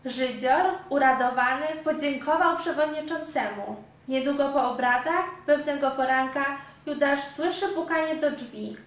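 High-voiced woman narrating a story. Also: normal speed, hardly any pauses. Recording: very echoey room, far from mic.

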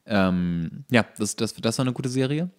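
A man's voice: mid-range voice, expressive, a little slow, clean tone. A man co-hosting a casual podcast chat, explaining trivia at length and in detail. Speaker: podcast co-host.

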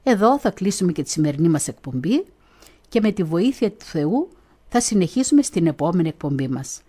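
Soft low-voiced woman reading a memoir. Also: big pitch swings, breathy edge. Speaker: radio host. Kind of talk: scripted reading of a first-person testimony.

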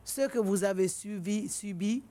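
A middle-aged woman judge speaking slowly and earnestly from the bench in a large courtroom, into a desk microphone. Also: mid-range voice, mellow, a little hiss or hum. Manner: slow, measured, earnest. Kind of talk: formal address from the bench.

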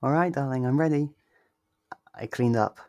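A man with a medium-pitched, slightly mellow, natural voice plays a sweet but possessive yandere lover in an intimate ASMR roleplay, recorded dry. He sounds affectionate and doting, speaking tenderly and reassuringly, slow and deliberate.

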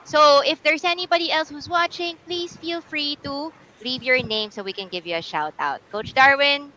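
A woman's voice: high voice, moderate pace, sharp tone, slight background noise, low-quality recording. A woman with a Filipino accent co-hosting an online HR webinar over a video call, mixing English and Filipino in a friendly way. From Philippines. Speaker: co-host mentor.

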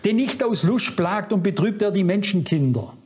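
A man delivers a conference sermon in a noticeably high voice. He is fervent and admonishing, speaking directly to his listeners to warn and exhort them. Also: expressive, moderate pace, a little mellow. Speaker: preacher. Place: conference hall.

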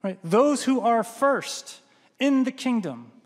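A man in his thirties delivers an animated sermon as pastor, his voice pitched notably high for a man. He talks on a headset mic, often checking in with "right?", and the sound hangs in a long reverb from the large church hall. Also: takes it slowly. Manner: animated, gestures broadly, often adds "right?".

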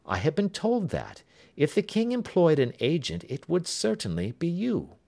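A man reading aloud as a clever, composed young actress, poised and gently mocking. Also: a little high, huge pitch swings, normal speed, gravelly, voice pushed up, heavily acted. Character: clever, composed young woman, an actress writing a farewell letter.

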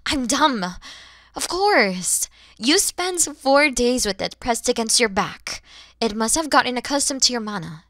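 A high, bright and very animated voice for a motherly dragon woman, acted by a woman. She is kind, playful and easily flustered, talking straight to the listener as in an ASMR roleplay. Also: measured pace, dry recording. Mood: explaining, reassuring. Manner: expressive, teasing, gentle, addressing the listener directly. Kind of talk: ASMR audio roleplay acting.

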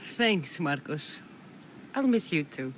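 A woman's voice: low-pitched, big pitch swings, slow pace, a little hiss or hum, full character voice. An actress playing a tough, wry young Greek mercenary woman in a video game, with a Greek accent. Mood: gentle, fond. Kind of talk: video game cutscene acting.

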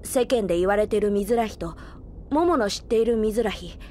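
A woman playing a brash, cocky, protective boy gunfighter in an anime-style audio drama, with rough, boyish, slangy speech. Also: medium pitch, a little fast, dark tone, slight background noise, natural voice. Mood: earnest.

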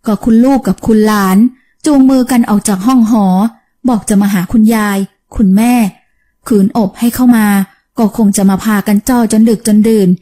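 A woman's voice: medium pitch, moderate pace, mellow, natural voice. A woman voicing an older, devoted household maid who speaks politely and coaxingly to the family, in an audiobook. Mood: explaining. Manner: polite, coaxing, servant's deference.

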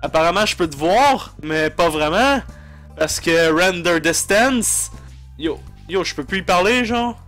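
A man's voice: high-pitched, expressive, unhurried, fairly bright tone, faint music behind. A man with a Quebec French accent giving casual, profane gameplay commentary and mixing in English phrases. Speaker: let's play gamer.

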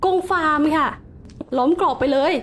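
High-voiced chatty woman gamer. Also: moderate pace, a bit bright, a little hiss or hum. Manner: chatty, startled exclamations, talks to game mobs. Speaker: gaming channel host. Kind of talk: casual game commentary. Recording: music playing behind the voice.

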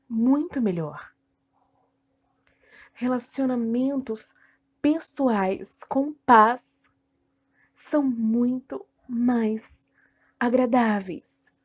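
Brazilian lady doing guided meditation, soothing, breathy high-ish voice, lots of long pauses between short phrases. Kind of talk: guided meditation, self-hypnosis narration.

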